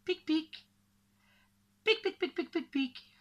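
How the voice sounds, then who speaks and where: A woman's voice: extremely high pitch, animated, takes it slowly, a bit bright, lo-fi sound, pitched above the performer's own voice, exaggerated voice. A woman voicing small forest creatures in a storybook with repeated onomatopoeic syllables. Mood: brisk chirpy. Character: small forest animals: pecking, buzzing, cawing, chattering creatures.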